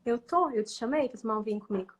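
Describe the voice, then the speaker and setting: A woman's voice: a little high, fast, slightly rough. A woman, a guest in a casual live-stream conversation, speaking thoughtfully and often restarting her phrases.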